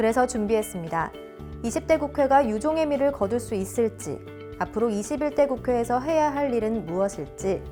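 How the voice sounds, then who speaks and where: With music in the background, a woman speaks at a moderate pace with fairly high pitch and lively intonation. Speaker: announcer / program host. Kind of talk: TV news program presenting.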